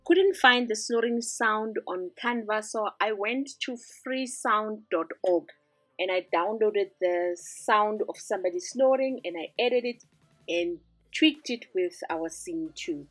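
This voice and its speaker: A woman's voice: mid-range voice, measured pace, a bit bright, no echo, faint music behind, rough recording. A woman hosting a screen-recorded design tutorial, walking through each step in an upbeat, instructive way. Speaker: tutorial host.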